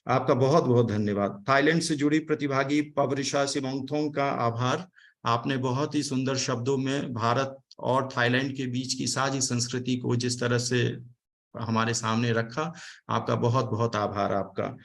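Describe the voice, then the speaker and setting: A man's voice: mid-range voice, steady tone. Formal Indian man on a video call. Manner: formal, explanatory, with frequent pauses and restarts. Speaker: speaker giving vote of thanks. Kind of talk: formal online seminar talk.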